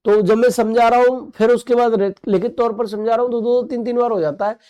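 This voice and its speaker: A man leads an online exam-prep lesson in a high but mellow voice. He jokes along with students' comments, then drills terms by repeating them and asking quick questions. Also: fairly even intonation, smooth. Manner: playful, joking with students' comments. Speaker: teacher.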